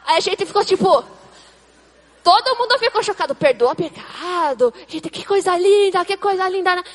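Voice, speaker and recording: Rich: A high-pitched, chatty mother, played by a woman in a stage sketch, who retells everything with dramatic quoted asides. Her voice rings with a long reverb, as from a large hall. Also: animated, moderate pace. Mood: excited. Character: excitable chatty mother, adult woman, storyteller. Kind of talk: comic church sketch acting.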